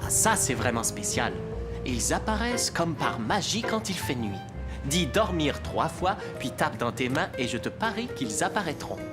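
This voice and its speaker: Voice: mid-range voice, sing-song, moderate pace, music in the background, natural voice. An actor playing a kindly, playful male train conductor who reassures a child in a children's cartoon. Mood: friendly. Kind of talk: animated children's cartoon acting.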